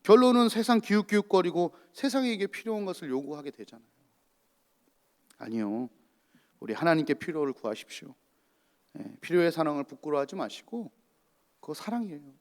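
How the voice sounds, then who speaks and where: A man's voice: a little high, very animated, a little fast, long pauses, darkish tone. A male pastor giving a sermon and asking the congregation rhetorical questions. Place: church. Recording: long church reverb.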